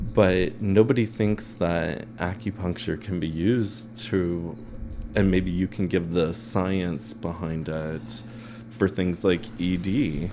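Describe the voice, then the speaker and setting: A man with a very deep, low pitch, an American accent, ordinary pitch variation and a very slow pace. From Indiana. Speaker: podcast host. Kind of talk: casual interview chat.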